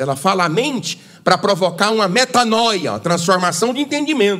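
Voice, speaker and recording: Shouting in an animated, theatrical tone, a man uses a high pitch with very wide swings and a bright, sharp tone at a moderate pace over a quiet background. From Brazil. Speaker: Pentecostal preacher and teacher. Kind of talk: sermon preached to a congregation with call-and-response. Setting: church or stage with live congregation. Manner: animated, exhorting, repeatedly prompting the crowd to echo and shout; emphatic, theatrical, shifting between teaching and mimicry. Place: church.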